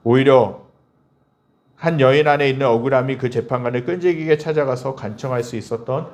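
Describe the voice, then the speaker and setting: A man's voice: brisk, darkish tone. A male pastor preaching a Sunday sermon, asking the congregation questions and acting out prayers in a lifted voice. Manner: acts out prayers and quoted speech with a lifted pitch; asks the congregation rhetorical questions.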